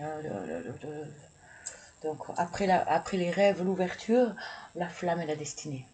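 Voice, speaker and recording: A woman's voice: lowish voice, warm tone, a little hiss or hum, rough recording. A woman doing a casual card-reading video, hesitant and stammering as she thinks aloud. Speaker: tarot and oracle card reader.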